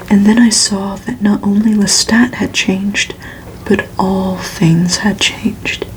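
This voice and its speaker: A woman reading a gothic novel aloud for ASMR in a breathy, unvoiced whisper, hushed and deliberate, with pauses between phrases. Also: mid-range voice, a little hiss or hum, rough recording. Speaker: ASMR reader.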